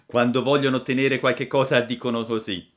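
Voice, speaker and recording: A man voicing a patient, kindly old woodcarver who lectures gently and slowly. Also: medium pitch, little pitch movement, voice pushed up, close to an everyday voice. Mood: stern.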